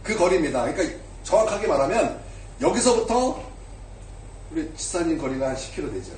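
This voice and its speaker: A man's voice: on the high side, big pitch swings, fairly quick, darkish tone, a little hiss or hum. A male pastor preaching a sermon, telling a story and acting out the voices of the people in it, sometimes asking the congregation questions. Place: church sanctuary. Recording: echoey church hall, mic at a distance.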